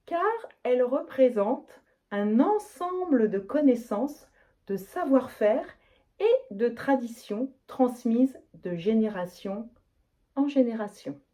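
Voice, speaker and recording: Woman language teacher, deliberate and clear delivery, mellow tone, animated melody. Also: on the high side. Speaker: French teacher. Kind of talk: teaching, reading practice answers.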